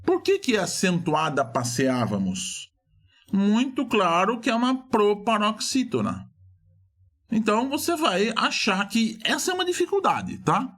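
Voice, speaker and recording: A middle-aged Brazilian man leads an exam review in a high, lively voice. He swings his pitch widely and leans hard on key words. He keeps asking questions and then answering them himself. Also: measured pace. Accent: Brazilian Portuguese. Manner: animated, emphatic, often asks and answers his own questions. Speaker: exam prep teacher.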